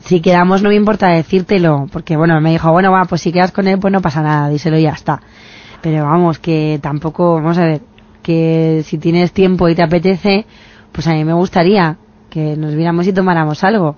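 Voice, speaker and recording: A man's voice: a little high, steady tone, a little fast, a little mellow, muffled recording. A prank caller who says he is a young woman, coaxing and dodging questions while asking a stranger out. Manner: insistent, coaxing, evasive.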